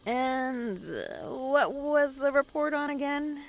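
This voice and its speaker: A woman's voice: high-pitched, expressive, slow pace, heavily acted. A woman playing a dryly teasing young woman new in town, in a naturalistic audio drama. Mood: playful.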